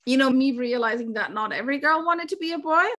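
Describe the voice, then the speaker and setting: A woman's voice: high-pitched, animated, fast talker, fairly bright tone. A woman, chatting casually as a podcast guest and laughing often. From Austria. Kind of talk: casual chat.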